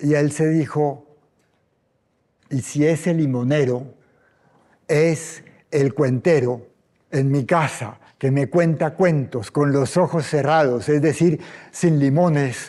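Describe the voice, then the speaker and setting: Very slowly, with long and frequent pauses, a man speaks in a fairly high, dark, mellow voice, his intonation fairly even and his loudness very even. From Colombia. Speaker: storyteller. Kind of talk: interview answer.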